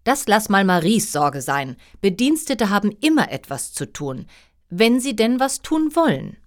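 Woman voicing an imperious, exasperated fairy-tale king, very animated. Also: medium pitch, a little slow, pitched above the performer's own voice. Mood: scolding. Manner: loud, commanding, scolding.

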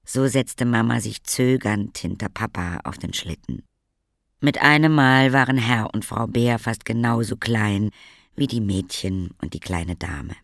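Male storybook narrator, calm and steady, lowish voice, dry studio sound. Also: measured pace, vocal fry, no echo. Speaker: audiobook narrator.

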